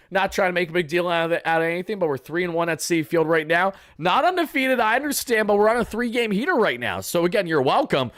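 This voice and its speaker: A young man, hoarse from yelling, chatting through a baseball game recap for live viewers in a casual, boastful way. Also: high-pitched, no echo, studio quality. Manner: chatty, boastful fan banter. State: raspy from yelling. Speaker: sports fan channel host.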